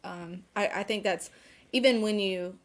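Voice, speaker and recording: A woman's voice: medium pitch, unhurried. A woman aged forty, a photography instructor, answering interview questions conversationally and hesitantly, thinking aloud.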